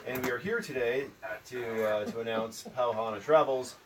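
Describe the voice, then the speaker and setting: A man who is a guest vlogger, speaking in a brisk, friendly way at a middle pitch. He sounds far from the phone mic, and a loud crowd fills the background. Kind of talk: casual live video chat.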